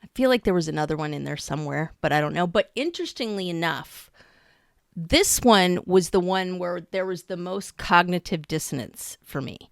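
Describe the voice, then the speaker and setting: A woman in her fifties co-hosting a podcast, talking casually in an animated, slangy way with frequent laughter. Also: lowish voice, moderate pace, gravelly, no echo, clean studio sound. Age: 50s. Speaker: podcast co-host. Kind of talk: casual chat.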